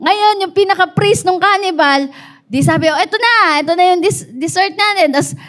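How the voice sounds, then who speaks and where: High-voiced Filipina woman preaching. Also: moderate pace. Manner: animated storytelling with call-and-response. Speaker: pastor. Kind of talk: sermon.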